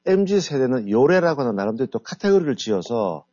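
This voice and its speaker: A middle-aged man who heads a company, being interviewed on the radio. He explains his ideas in a measured way. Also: mid-range voice, sing-song, warm tone, no room sound. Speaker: guest author and company head. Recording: dull lo-fi radio studio audio.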